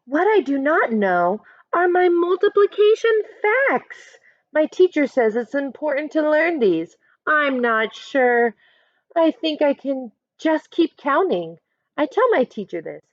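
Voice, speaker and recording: A woman reads a children's book aloud in a high, very lively voice. She teaches as she goes, turning to her young listeners with instructive asides. The sound is close and slightly dull. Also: slow, dry recording. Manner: expressive, instructive, addresses young listeners directly. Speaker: teacher reading a picture book aloud to pupils.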